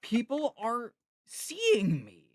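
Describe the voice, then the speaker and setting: Playful man with a lively voice. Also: extremely high pitch, extremely slow, dry recording, clean studio sound. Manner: relaxed, playful, self-mocking. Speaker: streamer and voice actor. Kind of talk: casual chat.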